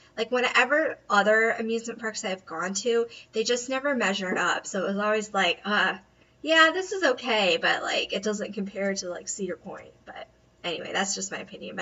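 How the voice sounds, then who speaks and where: Her fairly high voice carrying an American accent, a woman speaks at a moderate pace with lively intonation over noticeable background noise. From US Midwest, Michigan. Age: 20s. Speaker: vlogger. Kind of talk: casual vlog monologue. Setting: living room at home. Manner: chatty, many fillers.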